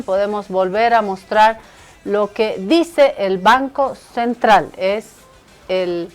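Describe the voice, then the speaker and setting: Woman TV host, lively conversational manner, teasing, faint music behind. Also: medium pitch. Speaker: TV show host. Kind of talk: casual TV talk show.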